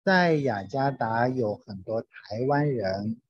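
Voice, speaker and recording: A man learning a language, carefully and haltingly reciting drill sentences over an online call. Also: medium pitch, animated, a crowd in the background. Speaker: language student. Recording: dull, roomy online call recording.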